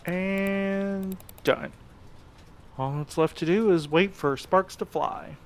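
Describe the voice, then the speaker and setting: A man's voice: high voice, slow. Man playing sardonic male courier, noisy backdrop. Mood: casual. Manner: dry, sarcastic, casual. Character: sardonic young male courier, snarky schemer among friends. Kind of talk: naturalistic audio drama acting.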